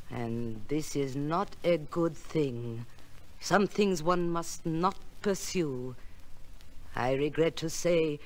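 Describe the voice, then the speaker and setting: An actress playing an imperious, mysterious fortune teller in 1940s radio style, with solemn, commanding delivery. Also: female voice, low-pitched, a little mellow, exaggerated voice. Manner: solemn, commanding, repetitive phrasing. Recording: noisy old radio recording.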